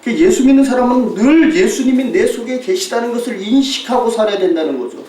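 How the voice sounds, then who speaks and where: Talking fast in a very high-pitched male voice, a Korean pastor shares a mission report during his sermon, bringing his stories to life by mimicking shouting tourists and laughing a lot. It was recorded with a distant mic in the echoing hall of a church sanctuary.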